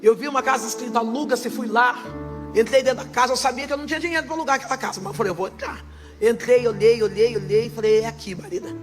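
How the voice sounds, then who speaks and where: A woman pastor giving her testimony in church, her fervent preaching swelling into loud proclaiming. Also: fairly high pitch, rapid-fire, music in the background.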